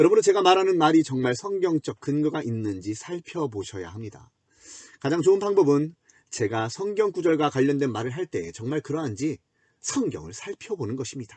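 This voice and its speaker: A man at a moderate pace and fairly high pitch, with very wide pitch swings and a dry, close sound with no echo. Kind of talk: video lecture on theology.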